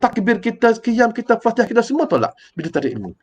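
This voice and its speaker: A man's voice: very high voice, sing-song, quick pace, dull audio. An older man with a Malaysian Malay accent giving a rambling, emotional live-streamed religious talk, repeating words and calling himself by his title. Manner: rambling, repetitive and emotional, refers to himself in the third person. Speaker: preacher.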